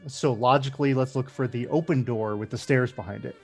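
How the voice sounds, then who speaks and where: A man's voice: mid-range voice, a little fast, darkish tone, slightly rough, soft background music. A man playing a tabletop game, joking and playing dim. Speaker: player. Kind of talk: casual game chat.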